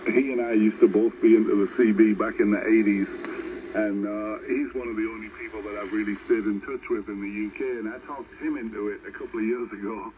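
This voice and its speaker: A man's voice: lowish voice, fairly even intonation, fairly quick. A middle-aged American man chatting casually and encouragingly over a radio transmission. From United States. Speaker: amateur radio operator. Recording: tinny, noisy shortwave CB radio signal.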